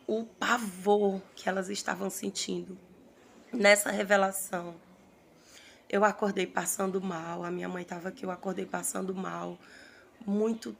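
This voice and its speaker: A woman, earnestly recounting a prophetic vision in halting, repeated phrases. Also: medium pitch, gravelly, a little hiss or hum. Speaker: prophetic preacher.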